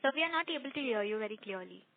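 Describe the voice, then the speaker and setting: A woman's voice: fairly high pitch, lively intonation, racing. A woman moderating a conference call as operator, in a formal, polite, procedural way. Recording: thin phone-like conference line.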